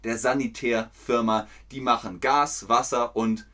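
A man teaching German in an online lesson, explaining phrases slowly and playfully, sometimes throwing in silly sound effects. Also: medium pitch, fairly even intonation, sharp tone.

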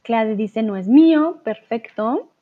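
A woman's voice: a little high, lively intonation, measured pace. A woman teaching Spanish on a live stream, patiently reading out viewers' chat answers and correcting them, sometimes explaining in English or German. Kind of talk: live online language lesson. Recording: tinny narrow-band stream audio.

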